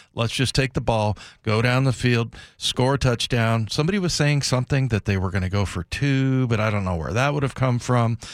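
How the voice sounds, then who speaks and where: A man's medium-pitched voice with a slight Midwestern accent and ordinary pitch variation, dry and close with no echo, on a very clean recording with a silent background. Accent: slight Midwestern twang. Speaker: sports radio host. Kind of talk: casual chat. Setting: studio.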